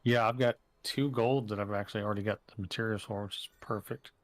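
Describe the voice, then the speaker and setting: A man's voice: lowish voice, fairly even intonation, fast, dry recording. A man chatting casually with a friend during a game stream, easygoing and a little hesitant. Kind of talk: casual gaming chat. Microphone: desk microphone.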